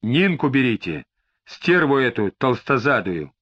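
A man's voice: mid-range voice, big pitch swings, measured pace, fairly bright tone. A man voicing a frightened, tearful middle-aged suspect who pleads and snaps irritably. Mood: desperate. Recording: slightly dull lo-fi recording.

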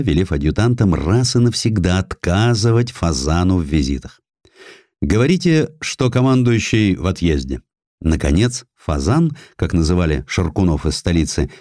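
A man reading literary historical prose as an expressive audiobook narrator, in a measured storytelling way. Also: low-pitched, no echo, studio quality. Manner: measured, storytelling delivery, acts out quoted dialogue.

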